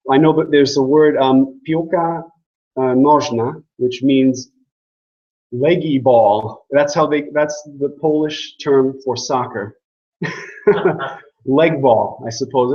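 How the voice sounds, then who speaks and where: A man's voice: mid-range voice, a little mellow, highs cut off. A man giving a casual classroom lecture on language, joking and asking the class questions. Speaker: language teacher.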